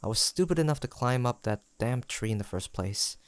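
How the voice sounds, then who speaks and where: A man's voice: medium pitch, lively intonation, no echo, lightly acted. A young man playing a tender, teasing best friend turned lover in an intimate romantic audio roleplay, speaking in a hesitant, conversational way. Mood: playful, incredulous. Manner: conversational, hesitant, halting delivery with sighs and soft chuckles.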